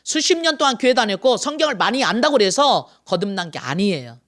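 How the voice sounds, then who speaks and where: A pastor in their sixties delivering a Sunday sermon, asking the congregation rhetorical questions and repeating phrases, rising to loud emphasis and then dropping to quiet asides. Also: mid-range voice, big pitch swings, fairly quick. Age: 60s.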